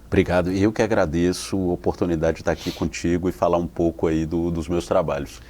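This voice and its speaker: Guest researcher, Bahian accent, very low voice, measured academic explainer. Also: male voice, steady tone, dark tone. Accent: Bahian Portuguese. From Salvador, Bahia, Brazil. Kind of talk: interview answers.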